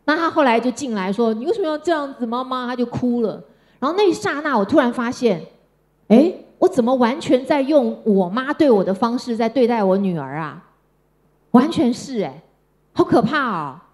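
A middle-aged woman from Taiwan, giving a personal storytelling talk in a gentle, conversational way. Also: fairly high pitch, animated, moderate pace. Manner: gentle, conversational, with soft sentence-end particles. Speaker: speaker. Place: stage before an audience.

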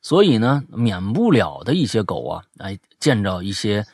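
A man hosting a casual chat show, telling stories in an animated, emphatic way. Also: lowish voice, normal speed, slightly rough, no echo, clean studio sound.

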